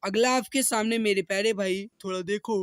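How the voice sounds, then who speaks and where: A man with a high-pitched voice teaches an exam class in a dry, close recording. He works through questions step by step and speaks directly to his students as he gives each answer. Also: fairly even intonation, brisk, fairly bright tone, clean tone, dry recording. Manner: instructional, often addressing listeners directly.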